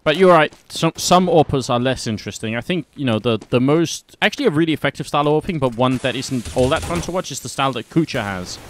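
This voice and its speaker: Man, esports commentator, brisk live play-by-play, headset mic, mid-pitched voice. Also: animated, a little hiss or hum. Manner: brisk play-by-play that lifts during action.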